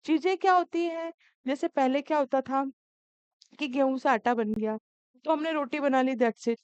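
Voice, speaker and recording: A woman's voice: high voice, normal speed, darkish tone, no room sound, muffled recording. A woman teaching an exam-prep lesson, calling her students "beta" as she coaxes and scolds them.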